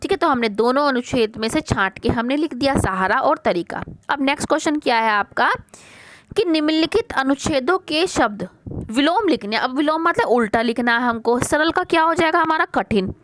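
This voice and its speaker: A woman teaching a worksheet lesson to young pupils. She asks a question, answers it herself, repeats the words slowly and calls the children "beta". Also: high voice, expressive, fairly bright tone, a little hiss or hum. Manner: mixes English words like question, first into her talk.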